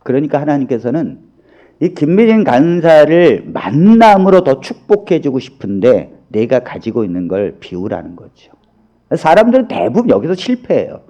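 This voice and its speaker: A middle-aged male pastor preaching a sermon, telling a story with animated dialogue and acted-out voices. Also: fairly high pitch, normal speed, highs cut off.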